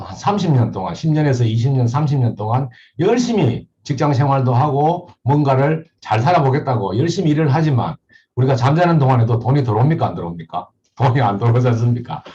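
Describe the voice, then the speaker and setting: The voice has a dark, mellow tone and is somewhat breathy. The pace is moderate. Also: man. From Gyeongsang, South Korea (Gyeongsan, North Gyeongsang). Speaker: network marketing instructor. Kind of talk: lecture. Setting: video call.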